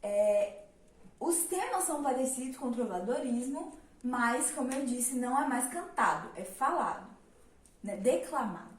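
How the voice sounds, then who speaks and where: A woman's voice: on the high side, expressive, unhurried. A young woman teaching a casual literature lesson, chatty, with many fillers and rhetorical questions. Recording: roomy, mic at a distance.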